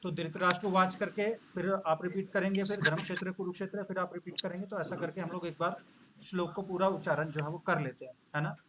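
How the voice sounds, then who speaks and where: A man teaching scripture in a class, explaining patiently, with frequent drawn-out hesitation sounds and English phrases mixed in. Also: high-pitched, fairly even intonation, background noise. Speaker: Gita teacher. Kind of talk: online class lesson.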